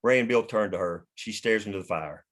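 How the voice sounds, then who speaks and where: A man with a fairly low voice reads scene headings and action lines. His scripted narration is matter-of-fact, as at a screenplay table read. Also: fairly quick, fairly bright tone. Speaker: stage-direction narrator.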